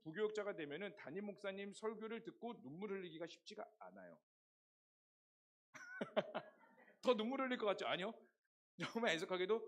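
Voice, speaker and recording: A hoarse young man preaching a sermon to a youth group, telling stories and asking the congregation rhetorical questions. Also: high-pitched. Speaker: youth pastor.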